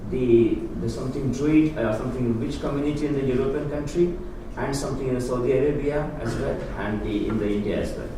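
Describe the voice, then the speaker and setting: A guest speaker on Hindu philosophy gives an earnest public talk in a lecture room, explaining ideas to the audience in plain, non-native phrasing. His medium-pitched voice moves fairly quickly with hardly any pauses. The hall is echoey and noisy, and he stands far from the mic.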